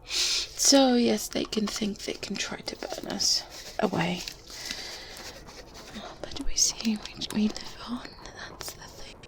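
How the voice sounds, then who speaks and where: A woman whispering and speaking softly in an intimate ASMR roleplay, playing a kindly witch close to a binaural mic. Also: mid-range voice, vocal fry. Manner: slow, hushed, intimate, deliberate. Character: kindly good witch mentoring a baby witch. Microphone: close binaural microphone.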